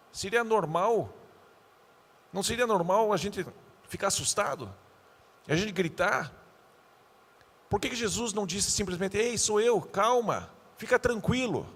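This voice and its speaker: A man's voice: fairly high pitch, slightly rough. Guy preaching to young people, bouncy voice, jokes around, acts stuff out, big echoey hall. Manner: animated, joking, acts out scenes. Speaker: pastor. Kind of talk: youth sermon.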